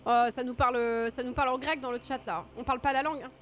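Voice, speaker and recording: Chatty woman streamer, stuffy nose from a cold, self-mocking, fairly high voice, faint music behind. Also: steady tone, fast talker, fairly bright tone. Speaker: gaming streamer. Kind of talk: casual live-stream commentary.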